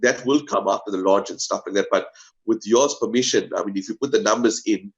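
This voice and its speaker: Earnest low-voiced man on a call. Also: brisk, highs cut off. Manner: earnest, hesitant with many fillers. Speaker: guest on a video call. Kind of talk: casual pitch talk.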